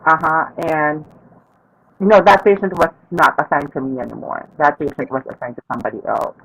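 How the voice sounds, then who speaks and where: A trans woman, a physical therapist, telling candid personal stories as a podcast guest, reflective and soft-spoken. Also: low-pitched, animated, brisk, gravelly, low-quality recording. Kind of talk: personal storytelling in a podcast interview.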